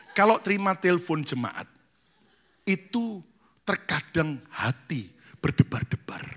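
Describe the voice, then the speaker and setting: A man's voice: fairly high pitch, fairly bright tone. A male pastor preaching a sermon, telling stories and acting out the voices of church members.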